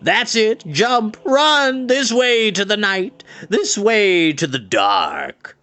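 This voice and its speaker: A man voicing a booming, theatrical old male spirit guide who shouts down from the sky in archaic phrases. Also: very animated, takes it slowly, no echo, full character voice. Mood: rousing.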